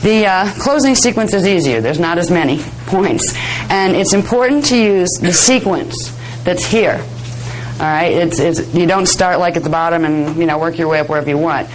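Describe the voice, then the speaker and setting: A woman teaching a live workshop, slightly hoarse, explaining at length in a chatty way, with fillers and soft laughs. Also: fairly low pitch, lively intonation, normal speed, a little hiss or hum, rough recording. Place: workshop room. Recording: 1999 workshop video, faint music.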